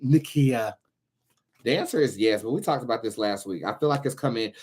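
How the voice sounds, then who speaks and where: A man's voice: mid-range voice, lively intonation, a little fast, darkish tone, slightly rough. Brash, sassy male tarot host. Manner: brash, sassy, swears freely. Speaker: tarot reader, show host. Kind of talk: casual live tarot reading chat to viewers.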